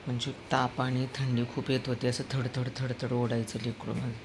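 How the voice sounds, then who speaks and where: Low-voiced woman vlogging on a noisy street. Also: flat delivery, moderate pace. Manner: chatty, talks to her dog between remarks to viewers. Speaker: dog owner vlogger. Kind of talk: casual vlog narration. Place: outdoors on a rainy street. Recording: noisy outdoor street recording. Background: street noise with passing vehicles.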